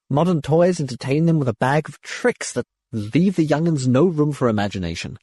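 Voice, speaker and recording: A man's voice: on the high side, a little mellow, no echo, studio quality, voice pushed up. Man playing a curt, crusty ancient ancestor. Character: ancient, youthful-bodied man, gruff, impatient, dismissive ancestor.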